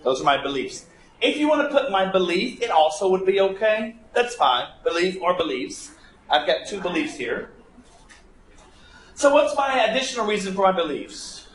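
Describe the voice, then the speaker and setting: A man's voice: high-pitched, very animated, moderate pace, fairly bright tone. A man teaching a live writing class, thinking aloud and putting playful, teasing questions to his students. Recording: echoey room with faint background noise.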